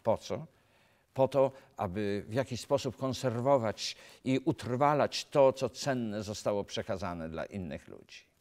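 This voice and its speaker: A man's voice: fairly low pitch, measured pace. A man in his fifties from Poland, a pastor giving an earnest sermon to camera in a studio, asking rhetorical questions, recorded on a lapel mic. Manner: earnest, animated preaching with rhetorical questions and gestures. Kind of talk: filmed sermon talk to camera. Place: dark studio set, indoors.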